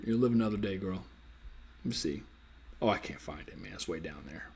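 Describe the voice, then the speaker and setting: A man's voice: sits low, expressive, fairly quick, creaky, darkish tone, slightly rough. A man hosting a dating-advice live stream, casually reading viewer comments and teasing them in a playful, slangy way.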